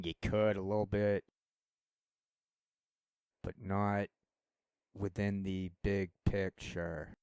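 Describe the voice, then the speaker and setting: A man with a low, resonant voice rambles through a casual monologue for his channel. He talks in a halting way, doubting himself and restarting his sentences. The sound is close and dry. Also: a little mellow, clear, resonant tone, dry recording. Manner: halting, self-deprecating, many restarts. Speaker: channel host.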